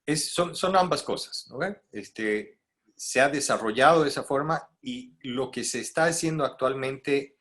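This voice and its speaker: A man moderates a film panel, speaking at a mid pitch. He asks his questions with rising, animated emphasis, pressing the guests to respond.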